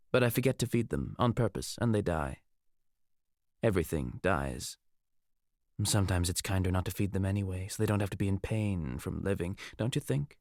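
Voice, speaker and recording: Low-voiced unhinged winged captor, acted by a man. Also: a little mellow, no room sound, studio quality, close to an everyday voice. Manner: menacing, eerily conversational musing. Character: winged genocidal male creature, unhinged, morbid captor. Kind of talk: audiobook character acting.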